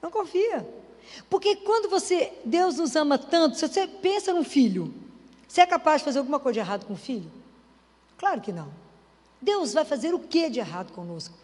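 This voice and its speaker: A woman's voice: sits high, very animated, fairly quick, a little mellow. A woman giving a conversational sermon, acting out little dialogues as she preaches. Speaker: Catholic speaker. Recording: reverberant hall.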